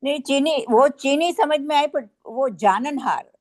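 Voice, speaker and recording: A woman student speaks in a spiritual question-and-answer session. Her voice is a little high, and she asks her questions haltingly, trailing off and restarting. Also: animated, darkish tone.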